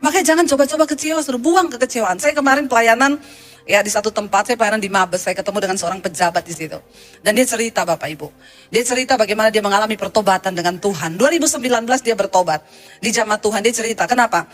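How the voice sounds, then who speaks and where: A woman's voice: medium pitch, fast talker, faint music behind. A woman pastor preaching a sermon, animatedly retelling congregants' testimonies.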